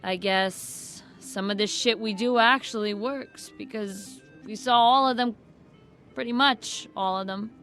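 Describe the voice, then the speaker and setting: An actress playing a flippant, irreverent former employee in an audio drama, blunt and offhand, with folksy colloquial speech. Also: female voice, mid-range voice, a little slow, fairly bright tone, faint music behind, close to an everyday voice. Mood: breezy, brazen. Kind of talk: audio drama acting as interview guest.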